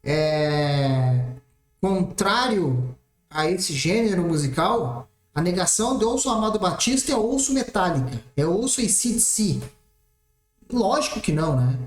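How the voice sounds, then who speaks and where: A man's voice: high-pitched, animated, a little slow. A man teaching an exam-prep math lesson, explaining step by step and checking in often. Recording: roomy echoey room.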